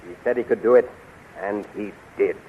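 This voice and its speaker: An actor playing a chivalrous, lovestruck warrior prince in a 1930s radio serial, earnest and formal, on a tinny old recording. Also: male voice, on the low side, normal speed, husky. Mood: friendly.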